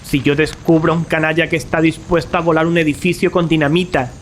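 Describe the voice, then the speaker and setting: Casting: male actor as stubborn young medical student, firm reasoning, slightly high voice, radio play over ambient noise. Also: little pitch movement, quick pace, natural voice. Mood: defiant, dismissive. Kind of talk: audio drama acting.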